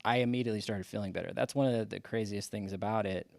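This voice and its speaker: A man in his forties talking casually as a podcast guest, halting with many restarts and fillers. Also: lowish voice, steady tone, creaky, a little mellow, no echo, clean studio sound. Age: 40s. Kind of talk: casual interview chat.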